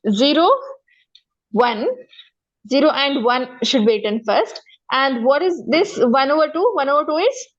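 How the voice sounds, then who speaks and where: In a muffled recording, a woman with a South Asian accent tutors a pupil in maths one-to-one, working through it step by step. Her voice sits high and unhurried, with frequent pauses. She repeats herself often and keeps asking whether the pupil is following.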